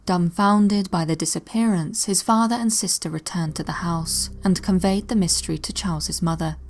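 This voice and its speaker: A woman telling a mystery in scripted narration, measured and now and then dropping to a hushed near-whisper. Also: lowish voice.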